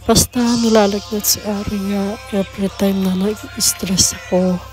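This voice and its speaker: A woman's voice: medium pitch, level tone, a little slow, a little mellow, soft background music. A young Filipino woman chatting casually as a vlogger and mother in a home family video. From Philippines. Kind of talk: casual family vlog chat.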